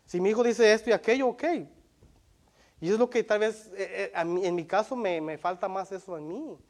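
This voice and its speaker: Man, sermon, earnest preaching, fairly high voice, reads scripture slowly. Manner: earnest, repeats himself, asks the congregation "¿verdad?"; reads Bible verses aloud slowly. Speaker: lay preacher.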